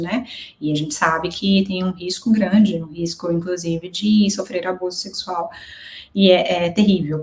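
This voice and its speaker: Low-voiced Brazilian woman explaining. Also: a little mellow, roomy sound. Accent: Brazilian Portuguese. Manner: explanatory, frequent "né" tags and small restarts. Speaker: psychologist. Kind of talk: educational talk, numbered list of signs.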